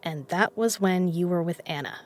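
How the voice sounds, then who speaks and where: A woman's voice: lowish voice, normal speed, lightly acted. Confident, frank woman played by an actress in an audio drama. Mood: teasing, frank. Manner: teasing, frank, coaxing. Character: confident, teasing, caring woman poker player, the man's cousin.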